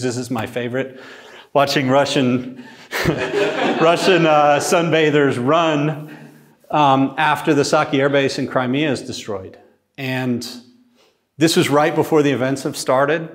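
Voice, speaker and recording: A man in his forties giving a conversational, animated lecture to a class, recorded by a camera across a small classroom. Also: mid-range voice. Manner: conversational, animated, gestures while talking. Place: classroom with a wall screen.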